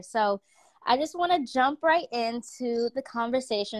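A woman with a normal speaking voice talks at a moderate pace and fairly high pitch, with ordinary pitch variation and a dry, close sound with no echo. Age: young. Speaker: video host leading group discussion. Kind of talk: casual group chat.

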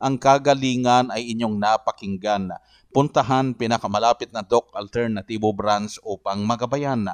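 A man with a normal speaking voice talks at a medium pitch with fairly even intonation, recorded in a dry, close sound with no echo. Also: moderate pace. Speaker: radio health program host. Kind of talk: radio program presenting. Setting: radio studio.

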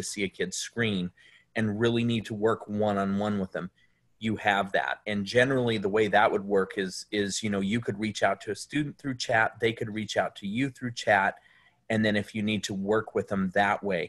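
In an ordinary speaking voice, a man talks at a moderate pace and a fairly low pitch, his intonation fairly even. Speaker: online school administrator. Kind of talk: webinar discussion. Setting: video call. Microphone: video call.

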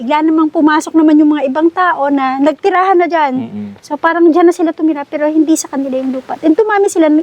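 A woman's extremely high voice with hardly any pauses, against noticeable background noise. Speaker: founder of a tree-planting organization. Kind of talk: interview. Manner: halting, slight stutter since accident.

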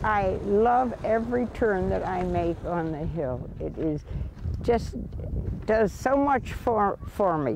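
Over noticeable background noise, a woman speaks at a very slow pace with lively intonation. The sound is dry with no echo. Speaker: ski instructor. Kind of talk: interview answer. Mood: warm, cheerful, grateful. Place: open country. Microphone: lapel.

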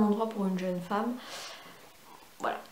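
Over light background noise and audible room echo, a woman speaks with fairly even intonation. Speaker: book reviewer. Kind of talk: casual vlog chat. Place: home room. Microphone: camera far.

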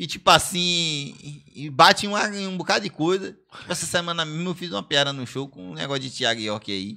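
Over a quiet background, a man talks at a fairly quick pace in a bright, sharp tone with lively intonation. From Bahia, Brazil (Pojuca); Bahia, Brazil. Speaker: comedian; comedian guest. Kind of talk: casual chat. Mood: relaxed, casual storytelling. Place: studio. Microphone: studio mic.

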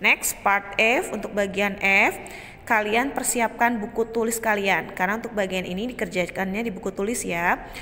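Over noticeable background noise, a woman with a fairly high pitch talks at a fairly slow pace with fairly even intonation. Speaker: primary school English teacher. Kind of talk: tutorial.

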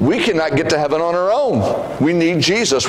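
Lively intonation comes through at a fairly slow pace, with audible room echo and light background noise. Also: man. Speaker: pastor. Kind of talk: sermon. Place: church.

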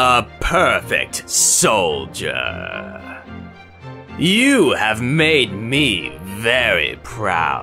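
Clear music plays in the background of this put-on character voice. The delivery is very slow. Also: man. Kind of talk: audio drama dialogue.

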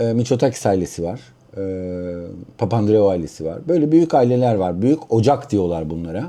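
A man's dark, mellow voice at medium pitch, with very wide pitch swings, a moderate pace and long, frequent pauses. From Turkey. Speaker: real estate consultant. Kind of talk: vlog monologue. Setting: hotel room. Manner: halting, many filler sounds.

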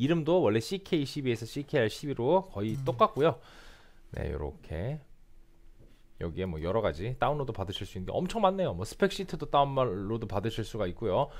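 The speaker's tone is animated, with vocal fry, very wide pitch swings and a moderate pace. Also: man. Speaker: music gear show host. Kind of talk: product review chat. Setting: studio. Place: studio. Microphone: headset.

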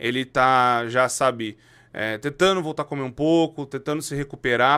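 Against a quiet background, a man talks with a bright, sharp tone. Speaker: content creator. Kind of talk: casual vlog commentary. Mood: serious, concerned, reassuring. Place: home room. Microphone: studio mic.

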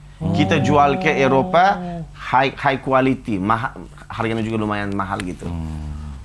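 Over noticeable background noise, a man at medium pitch speaks at a moderate pace with very wide pitch swings. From Uzbekistan. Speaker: expat guest; talk show guest. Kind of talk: casual chat. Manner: halting. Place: studio. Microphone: lapel.

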